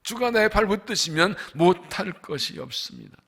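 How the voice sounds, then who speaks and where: A man preaching as senior pastor at a dawn revival service in a church, emphatic, asking the congregation questions and slowly stressing scripture lines. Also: sits high, big pitch swings, gravelly, a bit bright, husky. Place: church sanctuary.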